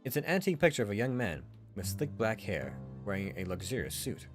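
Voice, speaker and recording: A man with a fairly low voice narrates a story for a read-aloud gaming channel. His delivery is expressive storytelling, with some music behind him. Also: brisk. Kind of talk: expressive narration of a visual novel.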